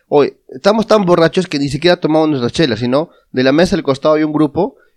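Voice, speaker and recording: A man with a Peruvian accent talks at a fairly quick pace and fairly high pitch, with ordinary pitch variation. The sound is dry and close with no echo, over a quiet background. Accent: Peruvian Spanish (Lima). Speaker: podcast co-host. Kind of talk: casual chat, storytelling. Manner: animated, laughing.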